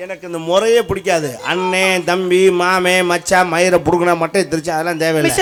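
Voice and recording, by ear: With noticeable background noise behind him, a man speaks at a high pitch in a monotone, flat intonation.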